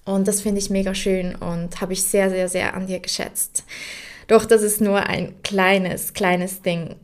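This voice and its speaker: Soft-spoken young woman, heartfelt monologue. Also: medium pitch, little pitch movement, unhurried. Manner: heartfelt, speaking directly to a late grandfather; soft and reflective, sometimes dropping to a near whisper. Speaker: podcast host. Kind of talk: unscripted personal monologue.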